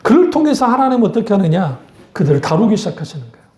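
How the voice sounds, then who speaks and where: A woman's voice: medium pitch, big pitch swings, rapid-fire, darkish tone, roomy sound. A woman pastor preaching a sermon in a blunt, conversational way, asking her congregation rhetorical questions. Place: church sanctuary.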